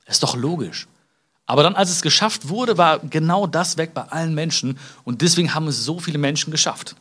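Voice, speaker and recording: A man's voice: on the high side, a little fast, bright, forceful tone, breathy edge. A man from Germany hosting a casual self-help podcast, talking straight to the listener with frequent tag questions, fillers and restarts. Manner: hesitant restarts and filler sounds. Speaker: podcast host.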